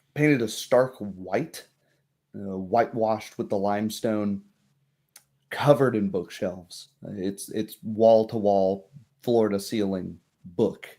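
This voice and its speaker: A man narrating a tabletop game as game master, describing scenes in halting pieces. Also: lowish voice, darkish tone.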